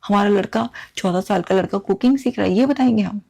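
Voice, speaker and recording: A woman hosting an advice talk, speaking earnestly to viewers with lively emphasis. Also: mid-range voice, brisk, vocal fry. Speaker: talk show host.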